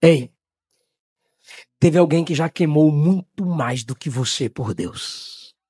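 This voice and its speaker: A man from Brazil preaching a Pentecostal sermon, shouting in high bursts and then dropping to low, quiet tones. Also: slow, breathy edge, no echo, clean studio sound, soft background music.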